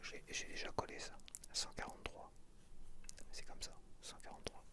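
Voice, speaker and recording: A man whispering casual, informal ASMR commentary in a breathy voice, muttering to the viewer close to the microphone. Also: normal speed. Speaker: ASMR video creator.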